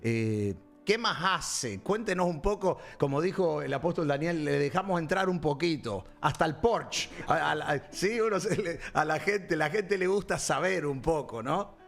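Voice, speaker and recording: Gravelly-voiced man hosting a Christian talk show. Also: on the high side, expressive, normal speed, few pauses, faint music behind. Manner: preachy, rambling with fillers and restarts. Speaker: pastor and program host.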